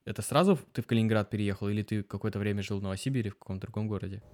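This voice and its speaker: Low-voiced male interviewer, curious. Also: a little mellow. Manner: curious, asks long questions, drawn-out hesitation sounds. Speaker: host. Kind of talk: conversational interview.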